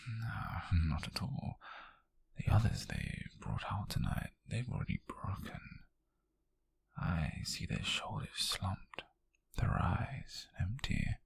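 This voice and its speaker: A British man playing a possessive, calculating nobleman in an intimate ASMR roleplay, speaking in a soft, menacing, condescending murmur close to the mic. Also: big pitch swings, slow, heavily acted. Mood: intrigued, calculating. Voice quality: breathy, husky, gravelly low murmur. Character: possessive, calculating noble man who buys captives at auction. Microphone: close mic, dry.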